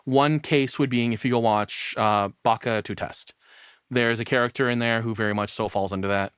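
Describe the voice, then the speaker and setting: A man's voice: medium pitch, steady tone, normal speed, fairly bright tone, smooth, dry recording, studio quality. A man giving casual, off-the-cuff reaction commentary, rambling and blunt, with plenty of swearing. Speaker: streamer reacting to a video.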